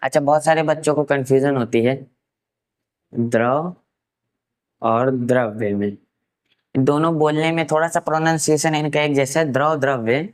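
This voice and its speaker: Man with a smooth, resonant teaching voice. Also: a little high. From Uttar Pradesh, India. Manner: asks rhetorical questions and answers them himself; repeats key terms slowly for note-taking. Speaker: science teacher. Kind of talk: classroom science lecture.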